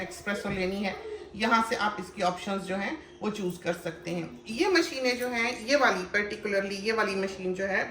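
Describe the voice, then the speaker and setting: A woman talks through a home demonstration in a loose, chatty way, circling back with fillers as she explains. Her voice sits at an ordinary middle pitch. It is recorded in an echoey kitchen with faint room ambience behind her. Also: a bit bright, a little hiss or hum. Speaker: cooking channel host.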